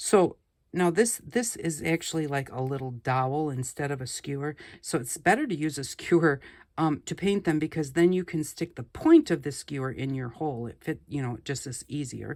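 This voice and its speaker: A soft-spoken woman has a very deep, low pitch with ordinary pitch variation and big swings in loudness. The recording is very clean, with a silent background. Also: moderate pace. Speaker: craft tutorial host. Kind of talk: tutorial. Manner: casual, hesitant with fillers.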